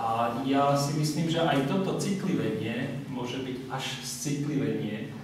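Speech comes at a very slow pace with ordinary pitch variation. Strong room echo and light background noise are audible. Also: man. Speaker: gallery event host. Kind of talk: exhibition opening speech. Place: hall. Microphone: camera far.

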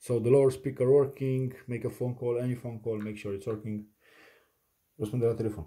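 A man with a non-native accent and a dark, mellow, somewhat breathy tone speaks with fairly even intonation and big swings in loudness over a quiet background. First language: not English. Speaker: phone repair tutor. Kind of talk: tutorial. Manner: halting, many fillers. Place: home room. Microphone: phone near.

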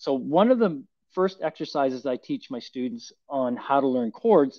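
A man with a plain, everyday voice talks at a fairly slow pace and a fairly high pitch with lively intonation. The background is quiet. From Canada. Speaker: guitar teacher. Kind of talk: casual interview chat with lesson explanation. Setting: live stream. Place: home room. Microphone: webcam.

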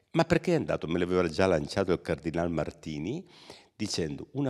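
A man with a very deep, low pitch speaks at a fairly quick pace against a quiet background. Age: 70s. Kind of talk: interview. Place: home room. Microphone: handheld.

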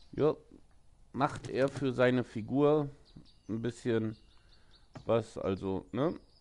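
The pace is very slow as a man talks. Long pauses come often between his words. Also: ordinary pitch variation. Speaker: gaming streamer. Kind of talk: casual live game stream chat. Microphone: headset.

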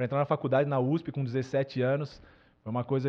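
His pitch is fairly high. The man talks at a moderate pace. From interior of São Paulo state, Brazil. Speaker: basketball coach. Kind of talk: casual interview. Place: studio.

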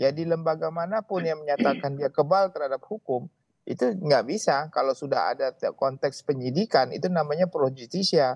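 A man's voice at a fairly quick pace with ordinary pitch variation and hardly any pauses. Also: quiet background. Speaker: legal expert. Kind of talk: TV news interview. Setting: video call. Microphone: video call.

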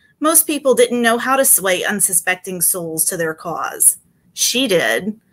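The voice has a bright, sharp tone and lively intonation at a moderate pace. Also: woman. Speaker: romance author. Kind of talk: reading aloud. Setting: video call. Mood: calm narrative storytelling. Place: home room. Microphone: webcam.

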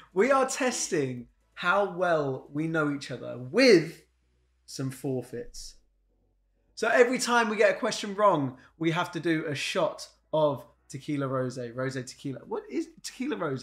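A high-pitched man with very wide pitch swings, against a quiet background. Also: moderate pace. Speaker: channel host. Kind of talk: casual vlog chat. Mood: playful, laughing. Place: home room. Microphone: camera far.

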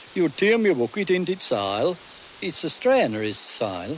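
Moderate pace, very wide pitch swings and noticeable background noise. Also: man. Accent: strong Yorkshire. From Yorkshire, near York. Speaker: farmer. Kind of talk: rural dialect, uses old Norse-derived words.

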